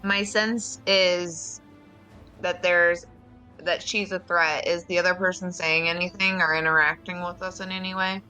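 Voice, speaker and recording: Bright, even-toned woman playing a tabletop game. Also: fairly low pitch, unhurried, smooth, faint music behind, rough recording. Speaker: player in a tabletop roleplaying game. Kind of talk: casual game talk.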